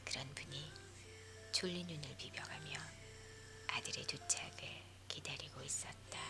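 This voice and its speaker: A woman leaning in to whisper a story for sleep in a hushed, breathy ASMR narration. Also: rumbling low. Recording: music behind the voice. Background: music.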